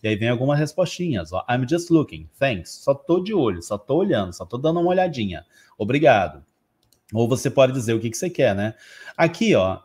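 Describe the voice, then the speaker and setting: A man from Brazil gives an online English lesson with a slightly husky voice. He explains patiently and says each practice phrase slowly, more than once, so students can repeat it. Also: medium pitch, a little mellow. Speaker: English teacher.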